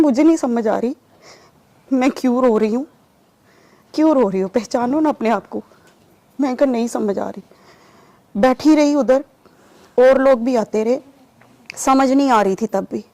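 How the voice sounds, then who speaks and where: A woman giving a personal testimony in an interview, telling her story in a lively way and acting out the remembered dialogue. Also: a little high, dry recording. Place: lives in Saudi Arabia.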